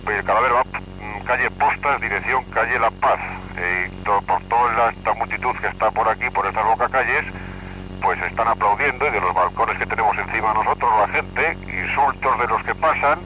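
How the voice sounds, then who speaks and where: A police officer, a man, reports over a hissing police radio in a lowish voice. His sentences come tense and halting, each closed with a sign-off. The transmission is an old, distant archive recording. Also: pushed and bright.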